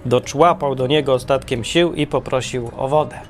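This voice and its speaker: A man narrating a parable in a wry, deadpan storytelling manner. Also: mid-range voice, moderate pace, soft background music. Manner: wry, deadpan humor with self-corrections.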